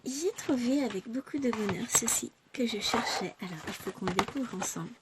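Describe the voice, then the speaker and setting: A woman's voice: a little high, normal speed, background noise. A woman chatting casually through a craft shopping haul, self-mocking and exclaiming over each item.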